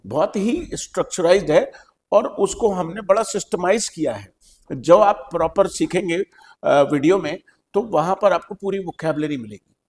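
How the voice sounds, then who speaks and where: A man's voice: high-pitched, expressive, moderate pace, darkish tone, long reverb tail. A man with an Indian accent, an English teacher hosting a podcast, explaining patiently and repeating his key points.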